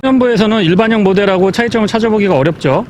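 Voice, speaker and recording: A man's voice: sits high, racing, a little mellow, a little hiss or hum. A man presenting a test-drive review as a car reviewer, explaining things politely.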